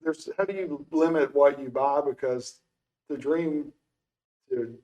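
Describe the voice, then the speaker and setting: An older man hosting a relaxed interview, talking in a chatty, rambling way. His voice sits a little high for a man, and he circles back and restarts his questions. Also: a little slow, dull audio. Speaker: show host. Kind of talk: casual interview conversation.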